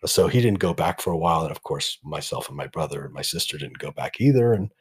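A middle-aged man speaks with a very low, husky voice. He rambles easily through his story, restarting his sentences and laughing lightly. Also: animated, fast talker. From Iran. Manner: loose, digressive, with frequent restarts and light laughs. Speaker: interview guest. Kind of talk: relaxed conversational storytelling.

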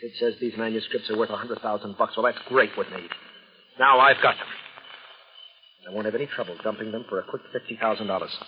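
A man's voice: on the low side, fairly even intonation, quick pace, lightly acted. An American actor playing a hard, scheming man turned thief, with a brusque manner, in 1940s radio drama style. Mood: hard, impatient. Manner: curt, brusque. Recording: dull, slightly noisy vintage radio broadcast.

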